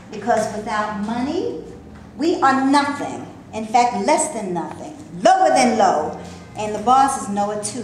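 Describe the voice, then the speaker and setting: A woman playing a wry, wary 1930s Black actress. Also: high-pitched. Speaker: actor in a staged reading. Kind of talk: staged play reading. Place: stage before a live audience. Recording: very echoey room, faint noise.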